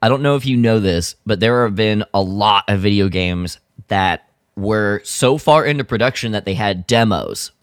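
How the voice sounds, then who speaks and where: A man co-hosting a podcast in casual chat, thinking aloud in loose, halting phrases. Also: lowish voice, dry recording, studio quality. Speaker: podcast co-host.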